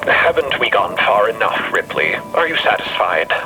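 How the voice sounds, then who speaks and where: A man's voice: lowish voice, sing-song, normal speed, noisy background. A man voicing a weary, skeptical male traveler with a dry, formal, put-upon manner in a fiction podcast. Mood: irritated, skeptical. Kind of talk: fiction podcast character acting.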